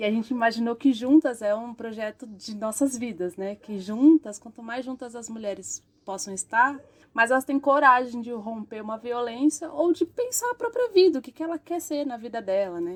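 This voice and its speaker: Recorded dry and close with no echo, a woman speaks at a moderate pace and fairly high pitch, with lively intonation and big swings in loudness. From São Paulo east side periphery (born in Pernambuco, moved at two). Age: 30s. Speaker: feminist activist and educator. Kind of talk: podcast interview monologue.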